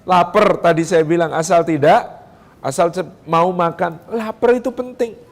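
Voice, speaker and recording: A man giving a parenting sermon, animated and talking directly to the mothers. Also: high voice, normal speed. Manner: animated, addresses mothers directly, acts out quotes. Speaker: Islamic preacher.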